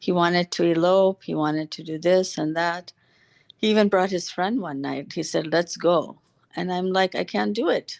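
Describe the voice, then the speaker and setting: In a normal speaking voice, a woman with an American accent speaks at a fairly low pitch. The sound is dry and close, with no echo. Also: ordinary pitch variation, moderate pace, quiet background. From US. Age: 60s. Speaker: meditation group participant. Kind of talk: personal sharing in online group.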